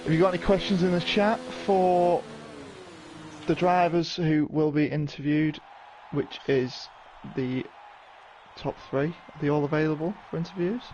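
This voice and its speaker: A man's voice: fairly high pitch, steady tone, measured pace, darkish tone. A man calling a live online race as lead commentator, exclaiming at the action. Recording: noisy stream audio.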